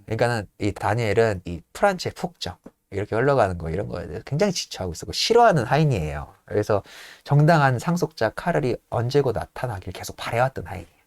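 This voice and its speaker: 연극을 생생하게 풀어 말하는 남자 진행자. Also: male voice, medium pitch, fast talker, gravelly, no echo. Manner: animated, acts out lines with laughs. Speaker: host retelling a play. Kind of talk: casual storytelling chat. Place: home room.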